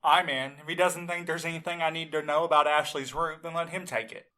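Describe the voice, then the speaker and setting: A determined young courier, played by a man in an audio drama. His voice is bright and tense and sits higher than most men's. He keeps pressing with pointed questions. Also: steady tone, fairly quick. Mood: resolute. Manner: pressing, accusatory.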